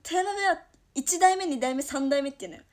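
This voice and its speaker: A young woman from Toyama with a Toyama dialect, chatting casually on her livestream and reacting to viewer comments, dropping to soft murmurs and then bursting out brightly. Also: sits high, fast. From Toyama, Japan. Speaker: idol livestream host.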